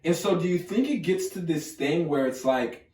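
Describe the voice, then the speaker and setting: Animated young man telling stories. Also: fairly high pitch, normal speed. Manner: animated storyteller, acts out shouted quotes. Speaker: podcast co-host. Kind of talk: casual chat. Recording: echoey room, mic at a distance.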